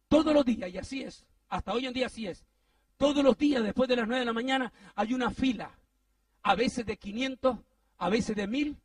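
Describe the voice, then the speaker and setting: A man preaching, telling a story in a sermon, animated and rising to shouts at the peaks. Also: recorded from a distance. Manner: animated, swings from low asides to shouted climaxes.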